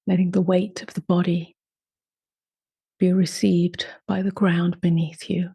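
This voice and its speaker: A woman leading a guided meditation in a soft, unhurried voice that often drops to a half-whisper. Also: fairly low pitch, little pitch movement, vocal fry, slightly rough, dry recording. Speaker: meditation teacher.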